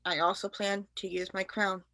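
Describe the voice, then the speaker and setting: A woman's voice: mid-range voice, level tone, normal speed, sharp tone, no echo. A woman playing a cocky young male wrestler, a vengeful braggart, in an amateur staged reading of wrestling promos. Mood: menacing, boastful.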